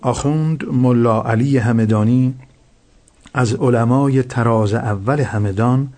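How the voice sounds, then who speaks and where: A man narrating a scripted story in a plain, measured manner. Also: medium pitch, a little mellow.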